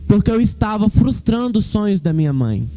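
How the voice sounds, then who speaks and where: A man's voice: sits high, big pitch swings, fairly quick, music in the background. A young man giving a fervent church testimony, speaking directly to the congregation. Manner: fervent, addresses the congregation as "queridos".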